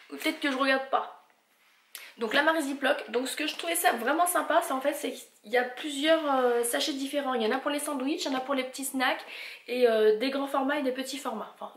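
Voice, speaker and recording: A woman chatting casually through a shopping haul, listing items and prices and stumbling over English brand names. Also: sits high. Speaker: vlogger showing a shopping haul. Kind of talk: casual haul vlog chat. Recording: echoey room with faint noise.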